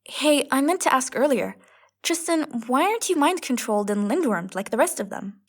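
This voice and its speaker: A no-nonsense young heroine in an audio comedy , acted by a woman. She is practical and wry, with a fairly high voice that moves about in lively swings. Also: normal speed. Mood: wry, curious. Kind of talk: audio fiction comedy acting.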